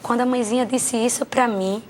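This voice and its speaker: A woman's voice: fairly high pitch, steady tone, a little fast, darkish tone, slight background noise. A young Brazilian woman, a guest on a talk show, giving an emotional, earnest personal testimony. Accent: Brazilian Portuguese. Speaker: guest, journalist and former model.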